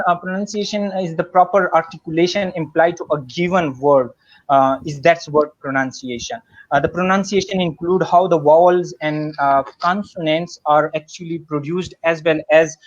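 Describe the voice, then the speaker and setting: A man's voice: fairly high pitch, dull audio. A man giving a spoken lesson on public speaking, hesitant and full of fillers and restarts. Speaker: guest speaker.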